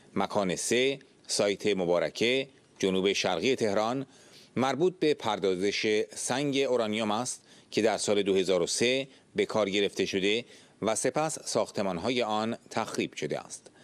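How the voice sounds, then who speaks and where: A man's pitch varies in an ordinary way as he speaks fairly slowly over a quiet background. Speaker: narrator reading statement. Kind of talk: reading aloud. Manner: formal.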